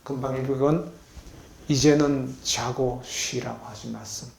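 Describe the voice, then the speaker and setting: Animated gravelly-voiced man preaching a sermon. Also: measured pace, a little hiss or hum. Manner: animated, swings from loud exclamations to soft low asides, calls for group responses. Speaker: pastor. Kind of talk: sermon with congregation reading along. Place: healing center meeting hall. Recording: echoey hall.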